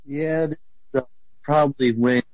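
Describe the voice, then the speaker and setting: A young man calling in to a talk show over a glitchy Skype connection that keeps breaking up, speaking in a halting way with many fillers. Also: fairly high pitch, fairly even intonation, darkish tone, dry recording. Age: young adult. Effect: glitchy Skype call breaking up. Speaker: caller. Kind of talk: casual call-in chat. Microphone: Skype call. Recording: dull lo-fi Skype line.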